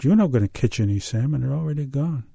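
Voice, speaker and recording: An older man voicing a know-it-all frog in a spoken folk tale, asking high, needling questions. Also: animated, fast, gravelly, warm tone, slightly rough, dry recording.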